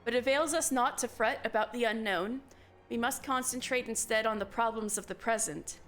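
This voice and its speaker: A calm, formal woman leader giving counsel, as a woman streamer reads her lines aloud, her voice a touch high and measured in pace. Faint game music plays behind her. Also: natural voice. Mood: grave counsel.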